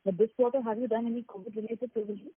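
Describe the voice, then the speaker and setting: On a phone line, a woman analyst on an earnings call fires off probing, detailed questions about the figures, her voice husky, fairly high and steady. She speaks at a racing pace, and the recording is dry.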